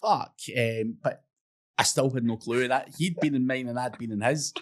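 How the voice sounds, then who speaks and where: A man's voice: medium pitch, normal speed. A man as a podcast guest, chatting casually, self-mocking and swearing. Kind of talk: casual chat.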